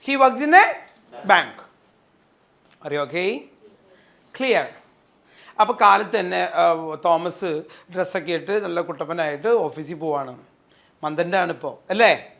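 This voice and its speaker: A male spoken English teacher with a Malayali accent and a high voice. He talks in an animated way, acts out everyday scenes and keeps asking the class "yes or no?". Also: slow pace, creaky, pauses often. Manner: animated, quizzes students with repeated "yes or no?". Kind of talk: classroom lesson with acted examples.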